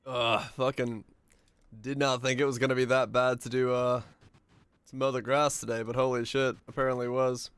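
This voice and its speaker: A hoarse man with a raspy, fading voice chatting casually while streaming a game, rambling and halting, swearing now and then. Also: mid-range voice, little pitch movement, a bit bright, no room sound. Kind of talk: casual gaming stream commentary.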